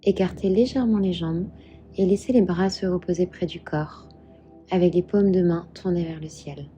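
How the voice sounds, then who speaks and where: A woman guiding a meditation as a yoga instructor, calm and soothing, giving measured instructions. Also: on the low side. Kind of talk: guided meditation narration. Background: soft background music.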